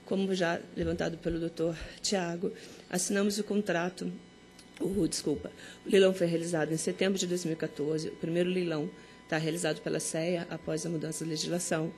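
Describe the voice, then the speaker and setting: Brazilian woman, nasal from a cold, monotone, faint hum behind. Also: on the low side, a little fast. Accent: Brazilian Portuguese. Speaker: company representative giving oral argument. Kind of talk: formal oral statement at a regulatory hearing.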